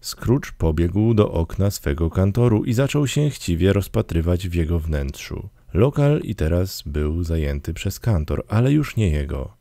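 Low gravelly male audiobook narrator. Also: expressive, warm tone, no echo, studio quality. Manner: measured dramatic storytelling. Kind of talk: scripted narration.

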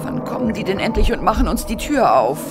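A woman playing a frightened, irritable captive in a horror radio play, halting and indignant. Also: medium pitch, big pitch swings, heavy background noise, close to an everyday voice. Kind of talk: German horror audio drama acting.

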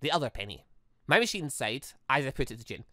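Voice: medium pitch, sing-song, fast, bright, forceful tone, no room sound, clean studio sound. A gamer voicing an earnest, troubled android girl from a visual novel, hesitant and thoughtful. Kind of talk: visual novel dialogue read aloud.

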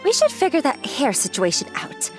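Assertive, secretly lovestruck young woman, played by an actress, lively and blunt, manga romcom over light music. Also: high voice, moderate pace. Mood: confident. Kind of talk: manga dub acting.

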